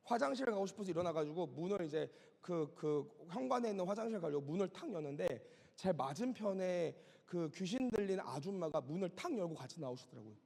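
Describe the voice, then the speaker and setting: A middle-aged man preaches a sermon, telling a story with vivid, dramatic delivery. His voice sits high and swings widely, with a gravelly, husky edge. A long church-hall reverb carries behind him. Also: expressive, fairly quick, few pauses, a little mellow. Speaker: pastor. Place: church sanctuary.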